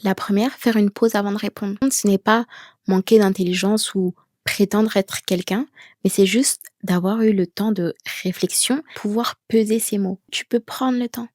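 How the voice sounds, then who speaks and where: Slow, deliberate woman giving advice. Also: medium pitch, fairly even intonation, a little mellow, no room sound, clean studio sound. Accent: an accent of her own that people ask about. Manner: slow, deliberate, with chosen pauses. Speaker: vlogger giving speaking tips. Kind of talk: casual talking-head advice. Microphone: camera mic, speaking to camera.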